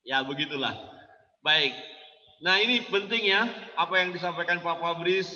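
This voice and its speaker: A man preaches to church workers in an anecdotal, animated way, laughing as he goes. His voice is sharp and bright and rather high. It comes from far off in a reverberant church hall, with a dull, muffled sound. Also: moderate pace. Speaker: pastor.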